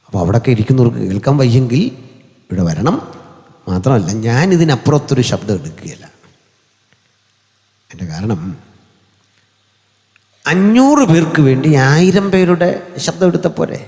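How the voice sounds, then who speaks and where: Male Malayali pastor, mid-range voice, preaching through a mic in a big echoing hall, jokey and conversational, sudden high climbs. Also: sing-song, normal speed, pauses often, darkish tone. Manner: humorous, conversational preaching with sudden rises in pitch. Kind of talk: sermon. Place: large hall. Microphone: hand or stand mic through an amplifier. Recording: long hall reverb.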